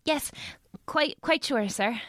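Woman playing a polite, high-voiced curious boy. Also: takes it slowly, a bit bright, no echo, clean studio sound. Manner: well-mannered, earnest. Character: polite, curious twelve-year-old orphan boy. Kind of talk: audio drama acting.

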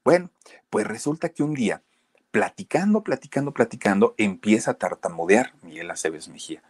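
A man's voice: on the low side, expressive, moderate pace, breathy edge, dry recording, clean studio sound. A man with a Mexican accent telling a story in a casual, chatty way, speaking straight to his listeners with plenty of fillers. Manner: addresses listeners directly, chatty with many fillers.

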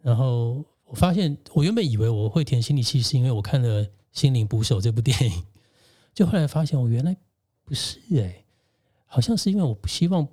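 A man, a podcast guest and co-host gently telling a personal story in casual conversation. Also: mid-range voice, animated, a little fast. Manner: reflective, gentle, recounts childhood memories.

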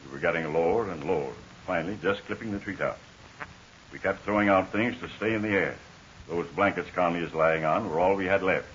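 An American actor playing a worried, weary stranded pilot, plain-spoken and grave, in 1940s radio serial style. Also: male voice, sits low, a little fast, a bit bright. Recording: dull, hissy 1940s radio recording.

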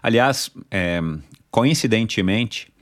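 Low-voiced Brazilian man from São Paulo hosting. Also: slow pace. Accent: Brazilian Portuguese, São Paulo. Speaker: podcast host. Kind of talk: podcast introduction and interview.

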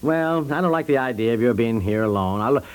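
An actor playing an anxious, doting husband in a 1950s radio comedy, hesitant, stammering and placating. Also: male voice, medium pitch, animated, fairly quick, a little mellow, clean tone, lightly acted, poor audio. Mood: worried, coaxing.

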